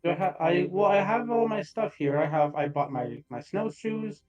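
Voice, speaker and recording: A man voicing a clumsy, magic-powered robot traveler through a light robotic voice changer, speaking haltingly. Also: sits high, lo-fi sound, over music. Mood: earnest. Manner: halting, stumbling over words. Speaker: player voicing his character.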